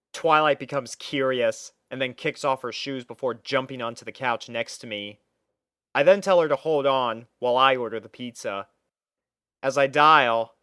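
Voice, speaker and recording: A man narrating a first-person story from a script in an expressive storytelling manner. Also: mid-range voice, clean tone, no room sound, clean studio sound.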